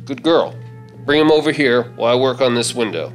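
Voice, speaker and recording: Casting: middle-aged man as gruff, folksy, take-charge zombie survivor, mid-pitched, radio play with loud music. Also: expressive, a little fast, lightly acted. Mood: steady, grim. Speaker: stage actor reading a script. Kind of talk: live radio-play acting. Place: theater stage. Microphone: stand microphone.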